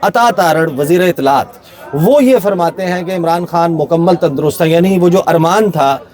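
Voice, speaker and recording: A man with a Pakistani accent hosting a political news discussion on location, talking in long, deliberate sentences. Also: fairly high pitch, a little mellow. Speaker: host, field reporter.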